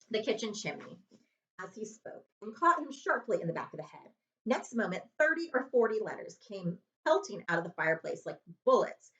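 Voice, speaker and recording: A woman reads a children's story aloud in a librarian's storytime manner. Her pitch moves in big, animated sweeps with dramatic emphasis, and the recording sounds a little dull and lo-fi. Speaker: librarian reading aloud to students. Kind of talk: children's chapter book read-aloud.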